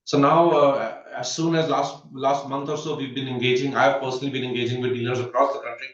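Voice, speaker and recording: A man, an executive presenting quarterly results on a conference call, speaking haltingly and filling his pauses with many "uh"s and restarts. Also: mid-range voice, flat delivery. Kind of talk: earnings conference call commentary. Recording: distant, roomy, dull conference call audio.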